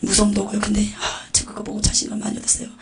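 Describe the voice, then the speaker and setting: A woman's voice: medium pitch, completely flat delivery, very fast, noisy background. A woman giving a religious testimony, telling visions in a breathless, vivid way with whispered asides. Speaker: testimony speaker.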